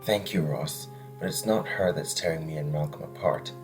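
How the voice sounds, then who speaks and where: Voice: extremely low pitch, moderate pace, music in the background. An actor in an audio drama playing a loyal, stubborn royal subject with a firm, earnest delivery. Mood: earnest, resolute.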